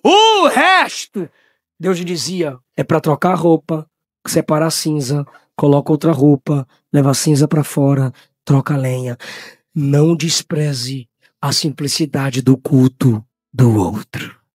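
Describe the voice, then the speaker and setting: A man's voice: expressive, unhurried, husky, dry recording, clean studio sound. Man preaching a fiery Pentecostal sermon. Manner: shouting and swinging from loud high bursts to low quiet tones.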